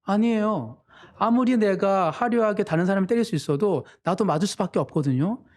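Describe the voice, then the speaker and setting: A man's voice: lively intonation, a little fast, a little mellow. A man preaching a Sunday sermon as pastor, in an earnest manner. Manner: earnest preaching, voices quoted family members with sudden pitch jumps.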